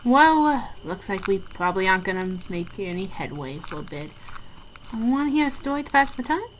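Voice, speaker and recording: A woman's voice: mid-range voice, sing-song, normal speed, slight background noise, lightly acted, poor audio. A woman playing a sarcastic, dryly spoken character lost in the woods in a scripted horror-show skit, grudging but game. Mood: resigned. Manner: dry, sarcastic.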